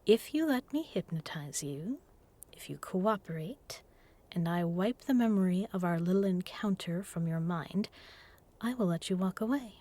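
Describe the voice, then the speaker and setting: A woman's voice: lowish voice, animated, moderate pace, mellow. A woman playing a seductive, menacing vampire in an intimate audio roleplay, teasing and purring, often dropping to a whisper. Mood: coaxing, threatening. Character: seductive, menacing female vampire predator toying with prey. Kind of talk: intimate hypnotic audio roleplay, slow and breathy.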